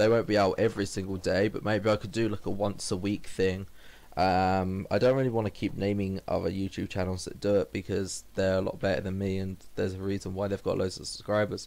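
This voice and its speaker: A man's monotone, flat delivery in a British accent. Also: fairly low pitch for a man. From Britain. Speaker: gaming YouTuber. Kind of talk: casual, informal. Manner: monotonous; rambling, casual. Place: home room.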